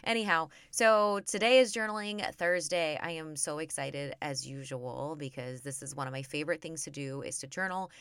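Podcast host, woman, thirties, low-pitched and a little raspy from illness, bright encouraging chat, dry close sound. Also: dry recording. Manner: upbeat, chatty, encouraging. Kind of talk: casual chat.

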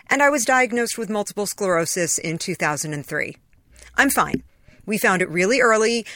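A woman's voice: fairly low pitch, bright, forceful tone, no echo. A woman reading her own written essay in a conversational, personal storytelling manner. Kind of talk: scripted first-person essay narration.

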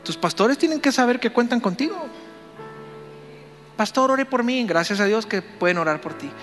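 A man, a pastor, telling a story in a sermon, animated and playful as he talks to the congregation. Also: very high voice, moderate pace, long reverb tail, soft background music.

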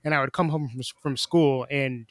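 A man hosting a podcast, chatting casually with his guest and reacting quickly. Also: medium pitch, steady tone, no echo, clean studio sound. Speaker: podcast host. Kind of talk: casual conversational interviewing.

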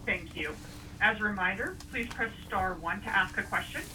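A woman's voice: medium pitch, moderate pace. Female call operator on a noisy line. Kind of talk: scripted call announcements. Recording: noisy, distant phone-line sound.

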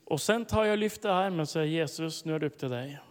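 Preacher, male, high voice, storytelling sermon, long hall reverb. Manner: storytelling with bursts of loud, high emphasis. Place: large hall, preaching to a congregation.

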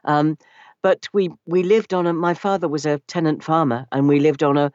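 A British woman from Wales whose first language was Welsh, speaking as an interview guest with a wry, measured way of telling stories. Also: deep voice, fairly even intonation, darkish tone, no room sound. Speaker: guest, actor and narration coach. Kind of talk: relaxed interview chat. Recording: dull lo-fi dry sound.

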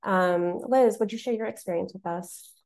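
A woman's voice: mid-range voice, normal speed, vocal fry, a little mellow. A woman moderating a conversational panel in a thoughtful way, often checking in with a tag question. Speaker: discussion moderator.

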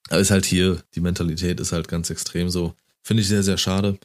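Deep-voiced man, casual co-host, keen football fan. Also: a little fast. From Germany. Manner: enthusiastic, animated retelling.

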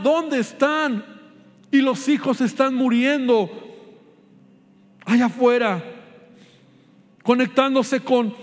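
Man, pastor, very high voice, urgent repetitive sermon, long hall reverb. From Mexico. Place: large church hall.

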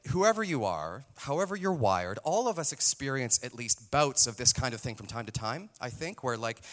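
Man preaching, lively pitch, relaxed chatty sermon, self-deprecating, lots of fillers. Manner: casual, self-deprecating, animated delivery with fillers. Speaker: pastor. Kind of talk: conversational sermon. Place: church hall with audience.

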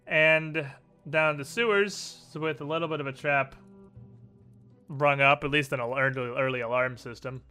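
Male game master for tabletop fantasy play, crisp clear voice, unhurried suspenseful narration, faint music underneath. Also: on the high side, steady tone, pushed and bright.

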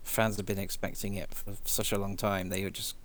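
An enthusiastic man with a lowish voice, chatting about music. He talks in an animated, chatty way, with a faint hiss of noise behind him. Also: brisk. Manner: enthusiastic, chatty, laughs easily. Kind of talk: casual chat.

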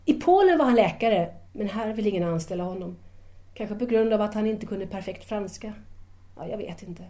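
A woman's voice: mid-range voice, lively intonation, dark tone, close to an everyday voice. Woman playing a shy, lilting young student. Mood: modest. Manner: hesitant, deferential. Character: shy, admiring, self-doubting young female student. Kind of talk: audio drama acting.

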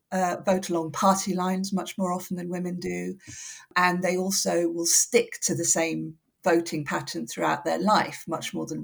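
A woman academic giving explanatory interview answers in a measured, analytical way, correcting herself as she goes. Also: fairly low pitch, creaky, husky. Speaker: academic researcher, interview guest.

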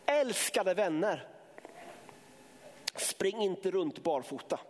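A man preaching a sermon to his congregation, impassioned, building up to shouting and then dropping low. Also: animated, long reverb tail, a little hiss or hum. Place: church sanctuary.

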